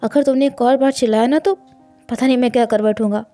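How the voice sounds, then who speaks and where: A woman's voice: on the high side, steady tone, fast talker, warm tone, soft background music, natural voice. A woman voicing a stern, dominant young man who talks in a firm, commanding, scolding way, reading a storybook scene.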